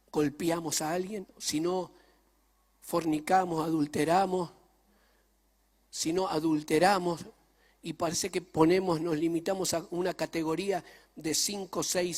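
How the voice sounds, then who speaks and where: High-voiced emphatic male preacher. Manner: emphatic, swings between loud and hushed. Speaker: pastor. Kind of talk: sermon. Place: church.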